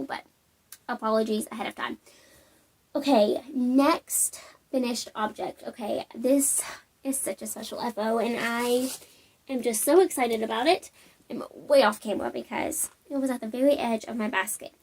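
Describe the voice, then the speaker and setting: Brief: young woman hosting a knitting vlog, slightly sniffly, friendly chatty delivery, a bit high. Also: a little mellow, slightly rough. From Alabama, US. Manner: chatty, upbeat, lots of ums and likes. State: sniffly from a cold. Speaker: knitting podcast host. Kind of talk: casual show-and-tell vlog.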